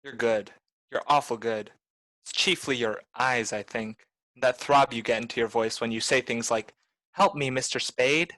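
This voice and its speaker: A man's voice: medium pitch, fairly even intonation, moderate pace, bright, forceful tone, no echo, close to an everyday voice, rough recording. A man playing a wry, cynical private detective in a 1940s-style radio noir, talking in clipped slang. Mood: cool, sardonic.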